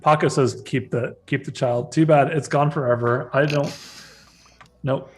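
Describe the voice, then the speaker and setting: A man's voice: mid-range voice, steady tone, a little slow. A man co-hosting a live stream, chatting casually, laughing often and reading out viewer comments as he works. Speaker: livestream co-host. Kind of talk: casual live-stream chat while working.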